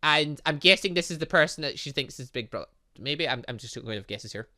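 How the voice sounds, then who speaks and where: A man doing let's play commentary on a visual novel, thinking aloud in an animated way. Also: on the high side, brisk. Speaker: gaming video host.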